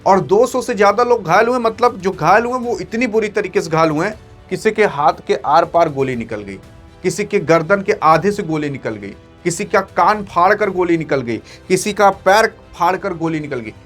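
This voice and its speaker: A man's voice: high voice, lively intonation, moderate pace, fairly bright tone, faint music behind. A man hosting an online news video, giving dramatic, emphatic commentary and talking straight to his viewers. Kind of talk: excited news commentary to camera.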